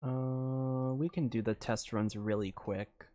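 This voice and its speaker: A man's voice: medium pitch, fairly even intonation, slow pace, mellow. A man chatting casually on a gaming live stream, rambling and thinking aloud in a distracted way. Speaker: game streamer. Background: video game music.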